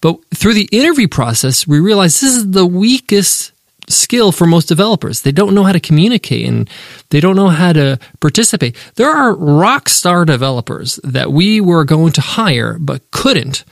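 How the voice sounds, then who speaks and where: A man hosting a business podcast, giving emphatic, animated advice and listing his points one by one. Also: sits high, moderate pace, vocal fry, no room sound, studio quality. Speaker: podcast host.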